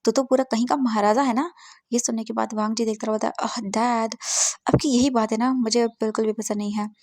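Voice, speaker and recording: A woman's voice: on the high side, steady tone, quick pace, a little mellow, dry recording. A woman narrating a fan fiction story in a casual telling, reading every character's lines in much her own voice and mixing English words in. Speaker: fanfiction narrator.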